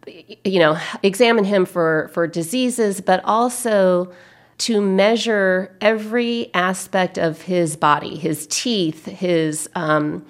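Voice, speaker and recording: An American woman, a historian being interviewed, answering thoughtfully with measured, deliberate, halting phrasing. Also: mid-range voice.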